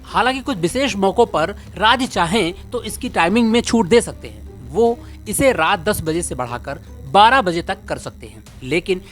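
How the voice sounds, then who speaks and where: News explainer presenter, Indian accent, medium pitch, reads from script over a music bed. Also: lively intonation, normal speed, hardly any pauses. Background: background music.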